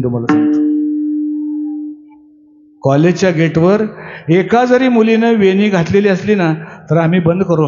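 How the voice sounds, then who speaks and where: A man's voice: on the high side, a little mellow, slight background noise. A man giving a devotional sermon to a crowd as a kirtan preacher, preachy and constantly quizzing his listeners. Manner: preachy, keeps asking the audience questions. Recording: echoey, dull hall sound.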